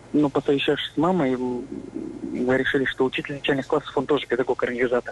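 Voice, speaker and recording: A man talks at a very fast pace with hardly any pauses and very even loudness. Noticeable background noise runs underneath. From Udmurtia, Russia (rural village). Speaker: primary school teacher. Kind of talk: radio interview.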